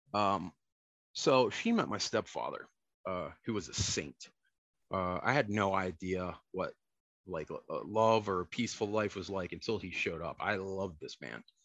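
In an ordinary speaking voice, a man with an American accent talks at a moderate pace and fairly low pitch, using ordinary pitch variation against a quiet background. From Baltimore and south central Pennsylvania. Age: 40s. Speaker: musician. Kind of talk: casual chat.

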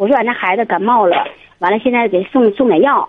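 A woman talks at a fairly quick pace. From northeast China. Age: 40s. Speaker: caller. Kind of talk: phone-in conversation. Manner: hurried.

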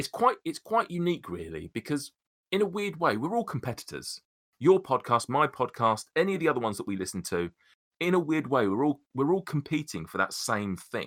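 Fairly quick speech with vocal fry and very wide pitch swings, dry and close with no echo, in a very clean recording over a silent background. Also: man. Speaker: podcast host. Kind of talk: casual chat.

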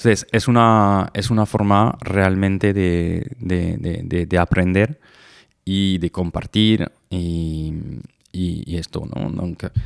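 In a French accent, a man with a very deep, low pitch talks at a very slow pace with ordinary pitch variation, the sound dry and close with no echo. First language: French (speaking Spanish). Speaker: podcast host and digital agency founder. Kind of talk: solo reflective monologue. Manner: halting, many fillers and repetitions.

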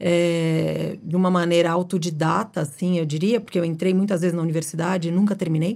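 Very fast and monotone with flat intonation, a woman speaks at a fairly low pitch in a dark, mellow tone. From São Paulo, Brazil. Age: 40s. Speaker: entrepreneur and DJ. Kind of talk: casual chat.

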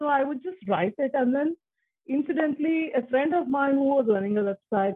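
Speaking with a Tamil accent, a woman uses a high pitch and lively intonation. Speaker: author and translator. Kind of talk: interview.

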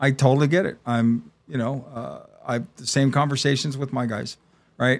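Fairly even intonation marks this man's delivery. His medium-pitched voice moves at a moderate pace. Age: 50s. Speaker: solar company owner. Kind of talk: casual interview chat. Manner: halting.

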